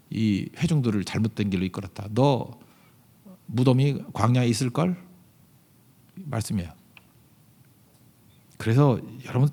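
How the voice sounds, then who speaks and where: Conversational man preaching a sermon. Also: mid-range voice. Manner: conversational preaching, frequent rhetorical questions; swings between loud emphatic lines and quiet asides. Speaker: pastor. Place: church service.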